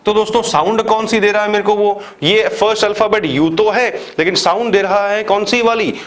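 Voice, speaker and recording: A man's voice: high voice, steady tone, fairly quick. A man with an Indian accent teaching a grammar lesson for exam students, asking questions and answering them himself, repeating examples step by step. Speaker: English teacher for exam prep. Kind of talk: classroom lecture.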